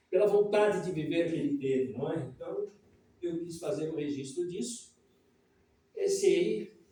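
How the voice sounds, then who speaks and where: Through audible room echo, a man talks at a moderate pace with ordinary pitch variation. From Brazil, São Paulo. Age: 60s. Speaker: journalist and author. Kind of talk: talk with slides.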